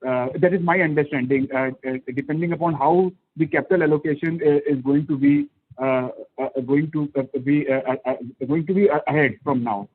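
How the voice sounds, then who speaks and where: A man with an Indian accent asks a roundabout, deferential question as a caller on an investor call. His voice is fairly high and he stammers haltingly over a thin, narrow phone line. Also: breathy edge.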